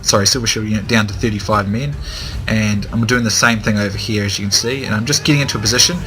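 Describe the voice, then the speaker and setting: A young man casually commenting on a strategy game battle, hesitant with many ums, his throat a little dry and hoarse. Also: fairly low pitch, bright, forceful tone, a little hiss or hum, poor audio. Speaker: gaming commentator.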